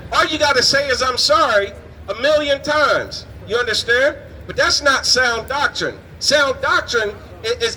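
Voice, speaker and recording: A man with a very high, bright voice delivers a fiery street sermon. He is emphatic and indignant, tagging his phrases as he goes, with faint outdoor traffic noise around him. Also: low-quality recording. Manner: punctuates phrases with "man" and "you understand". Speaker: street preacher.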